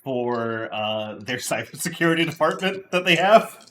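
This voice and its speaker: A man speaking casually as a game master, narrating in a halting, rambling, informal way. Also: medium pitch, animated, a bit bright, slight background noise.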